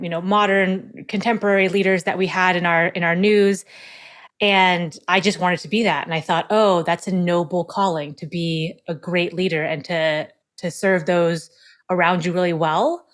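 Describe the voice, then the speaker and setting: Woman guest with a lowish voice, friendly. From born in South Korea, raised in the United States. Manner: friendly, laughs easily, thoughtful with small restarts. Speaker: guest, executive leadership coach. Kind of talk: casual interview conversation.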